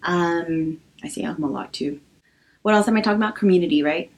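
A woman from Los Angeles in her early thirties speaks in a casual interview, her voice sitting slightly low. She talks haltingly, filling pauses with ums as she thinks aloud. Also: a little hiss or hum. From Los Angeles, USA. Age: early 30s. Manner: soft, hesitant, many pauses and ums. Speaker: podcast guest.

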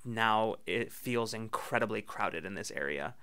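Bright, clear-voiced male game master. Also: fairly low pitch, lively intonation, measured pace. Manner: rambling, many fillers and restarts. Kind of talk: narrating a tabletop game.

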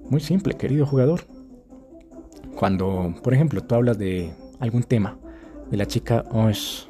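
A man's voice: medium pitch, normal speed, dark tone, faint music behind. A man giving dating advice in a dramatic, profane monologue, acting out little scenes. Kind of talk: casual monologue to camera.

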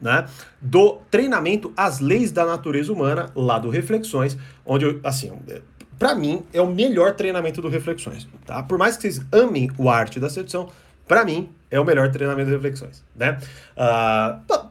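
A man's voice: a little high, animated, moderate pace, husky. A man teaching an online course, talking in loose, restless bursts and often checking in with "né?" and "percebe?". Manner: acts out short sneering quotes of other people. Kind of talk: explanatory talk to camera.

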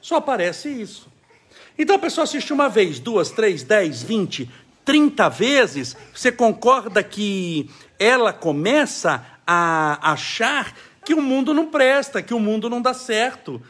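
A man with a Brazilian accent giving an emphatic, animated talk on a live stream from home, with laughing asides. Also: sits high, a little slow. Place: home, caring for his child.

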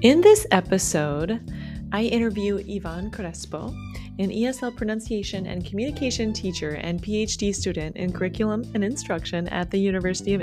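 A woman hosting a podcast, reading her introduction with enthusiasm. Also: medium pitch. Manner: upbeat, enthusiastic. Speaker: podcast host. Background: music.

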